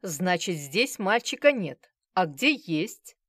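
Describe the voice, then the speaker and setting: A woman's voice: medium pitch, very animated, normal speed, fairly bright tone, no room sound, clean studio sound. A woman voicing a menacing male gang boss who barks threats and orders. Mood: interrogating.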